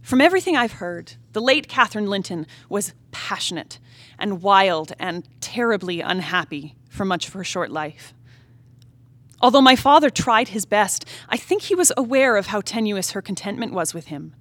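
A woman acting a wilful, discontented young married woman in a period stage drama, in a reflective, halting, emotive soliloquy. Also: mid-range voice, expressive, fairly bright tone, no echo. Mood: wistful. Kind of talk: theatrical play reading, period drama monologue. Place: theatre stage, live play reading.

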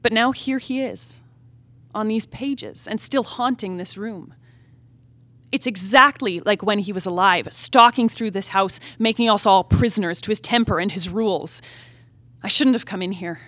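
A woman acting a wilful, discontented young married woman in a period stage drama, in a reflective, halting, emotive soliloquy. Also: medium pitch, a bit bright, lightly acted. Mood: brooding. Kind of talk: theatrical play reading, period drama monologue. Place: theatre stage, live play reading.

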